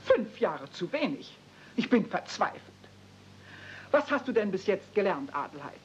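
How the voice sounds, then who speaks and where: A woman's voice: sing-song, moderate pace, natural voice. A woman playing a strict, haughty, easily scandalised housekeeper, formal and stiff, in a 1970s radio play. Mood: appalled. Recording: dull, rumbly, noisy old cassette transfer.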